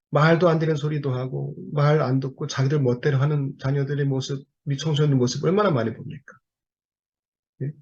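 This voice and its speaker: Husky-voiced man preaching a sermon. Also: on the high side, a little mellow, dull audio. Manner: emphatic rhetorical questions to the congregation.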